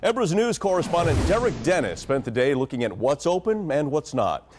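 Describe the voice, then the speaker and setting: A man's voice: on the high side, big pitch swings, noisy background. Man reading the evening news. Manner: measured, formal newscast delivery. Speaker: news anchor. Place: studio anchor desk.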